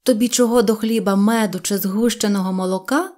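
A woman's voice: mid-range voice, steady tone, brisk, a little mellow, close to an everyday voice. A woman voicing a polite but stern male rabbit who speaks in a prim, precise way, for a storybook.

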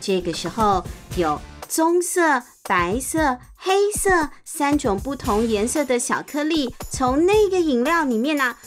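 A woman's voice: high-pitched, big pitch swings, measured pace, few pauses. A woman telling a picture-book story as if reading to a toddler, exclaiming and asking little questions. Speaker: host, storyteller. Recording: music behind the voice. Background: soft music.

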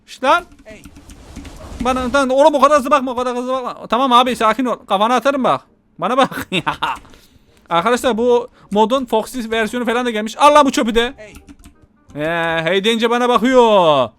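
A man playing a video game and commenting, joking and taunting the enemy out loud. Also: very high voice, fairly quick, clean tone, faint music behind. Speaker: gaming channel host. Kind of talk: excited let's-play commentary.

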